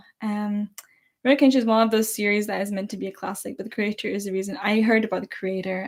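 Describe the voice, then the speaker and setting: Fairly quick and fairly high-pitched, a woman talks in a Scottish accent. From Scotland. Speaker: anime streamer. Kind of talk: casual live stream chat. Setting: live stream. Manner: animated.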